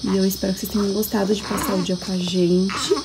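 A young woman, a mother, chatting casually in a family vlog and talking gently to her baby. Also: mid-range voice, level tone, fast talker, noisy background. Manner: affectionate, coos to her babies. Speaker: vlogger, mother.

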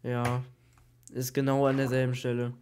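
A man with a cold, hosting a Minecraft let's-play and chatting excitedly with his teammate, repeating himself as he plays. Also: mid-range voice, normal speed, slight background noise. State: has a cold. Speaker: gaming YouTuber.

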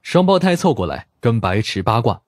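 A man's voice: mid-range voice, very animated, normal speed, no echo, clean studio sound. A man reading a mystery novel as a scripted audiobook narration.

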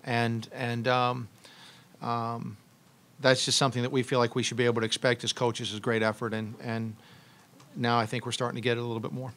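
A man's voice: medium pitch, little pitch movement, a bit bright. A middle-aged man, a head basketball coach, answering postgame press questions in a press room, speaking into a table mic with frequent restarts and ums. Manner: halting, many restarts and ums, thoughtful. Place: press room with logo backdrop, seated at table. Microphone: table mic on stand.

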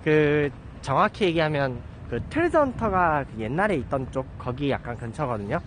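A streamer in his thirties chats with viewers through a phone held at arm's length while walking a residential street, drifting off-topic with jokes at his own expense. His voice sits on the high side with big pitch swings, at a moderate pace, plus a little hiss or hum.

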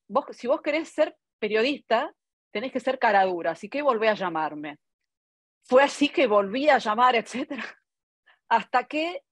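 A woman in her fifties, Italian by birth and raised in Argentina, speaking Spanish with an Argentine accent as a guest in a video-call interview, thoughtful and full of "eh" pauses. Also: medium pitch, no room sound. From born in Italy, raised in Argentina. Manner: thoughtful, many hesitations and "eh" fillers. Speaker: foreign correspondent guest. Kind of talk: relaxed conversational interview. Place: home study with bookshelves, indoors. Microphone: laptop webcam on a video call.

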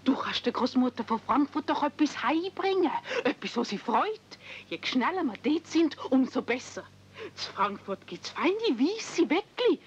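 A woman's voice: sits high, very animated, measured pace. A woman playing a pushy, scolding aunt in a radio play, nagging insistently with a Swiss German accent. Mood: nagging, coaxing. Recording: muffled, noisy old 1970s audio play recording.

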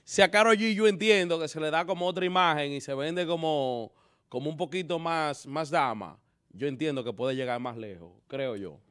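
Loud joking man. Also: on the high side, moderate pace, clear, resonant tone. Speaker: show panelist. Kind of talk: casual entertainment chat.

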